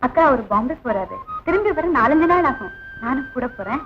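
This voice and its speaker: An actress playing a gentle, devoted young wife who speaks softly and tenderly to her husband in an old film. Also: high voice, very animated, fairly quick. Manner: soft, tender. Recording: dull old film soundtrack with loud music.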